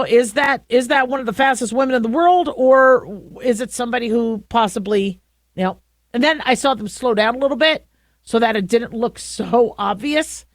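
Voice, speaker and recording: Deep-voiced woman radio host. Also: no room sound. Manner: conversational, halting with many restarts. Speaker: radio talk show host. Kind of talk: opinionated talk radio monologue.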